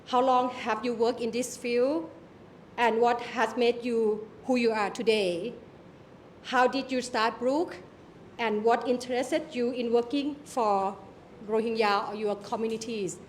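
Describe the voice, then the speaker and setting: A woman moderates a live question-and-answer session at an event, friendly and a little nervous, padding her questions with fillers. Her voice sits somewhat high. A faint low rumble runs under the recording. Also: fairly even intonation, measured pace. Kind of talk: hosting a public Q&A. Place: event venue.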